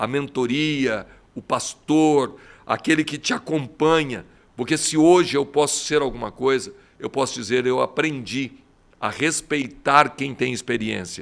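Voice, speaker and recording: An unremarkable speaking voice from a man, fairly slow, with ordinary pitch variation. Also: fairly high pitch for a man. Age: 60s. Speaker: pastor. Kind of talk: religious talk show. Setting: studio, live radio broadcast.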